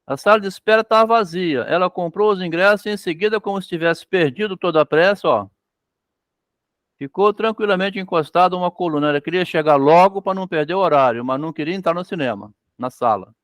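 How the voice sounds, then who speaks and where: In clean, echo-free studio audio, a man with a high, somewhat bright voice speaks fast with a Brazilian Portuguese accent. He reads passages of a story, then breaks off to lecture on them as literature, voicing the characters and frequently tossing in "né?".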